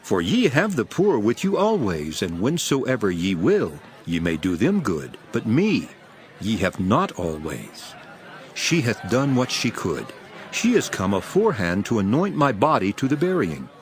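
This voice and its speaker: An actor playing Jesus as a solemn, authoritative teacher, declaiming archaic scripture in a dramatized Bible audio production. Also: male voice, on the low side, wildly swooping pitch, unhurried, a faint crowd. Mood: calm authority. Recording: music behind the voice. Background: background music.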